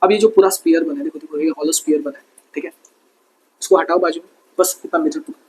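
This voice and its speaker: A man's voice: a little high, fairly even intonation, fast, breathy edge, poor audio. A young man teaching an online lesson, repeating each term as a question and slipping in joking asides.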